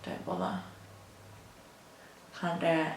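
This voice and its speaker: A woman's voice: low-pitched, sing-song, slow pace, noisy background. A young woman in her twenties chats to camera while getting ready, drawing out her words unhurriedly. She rambles and pokes fun at herself, with plenty of fillers. Her voice rings a little in an echoey room. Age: 20s. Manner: rambling, self-deprecating, lots of "like" and "um". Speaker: beauty vlogger. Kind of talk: chatty get-ready-with-me rambling. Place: indoor room at a mirror.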